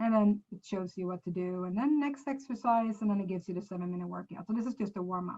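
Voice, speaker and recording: A woman talks very fast in a medium-pitched, somewhat breathy voice with a dark, mellow tone. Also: ordinary pitch variation. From Sweden. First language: Swedish. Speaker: college professor. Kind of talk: presentation.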